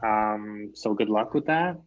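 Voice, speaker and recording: A man's voice: lowish voice, expressive, takes it slowly. Canadian man teaching English over a muffled line. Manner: patient, repeats key phrases. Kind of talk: online English lesson.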